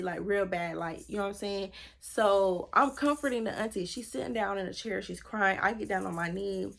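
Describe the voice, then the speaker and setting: A woman telling a personal story to her viewers in a casual vlog, animated and slangy, speaking to them directly. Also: mid-range voice. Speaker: storytime vlogger.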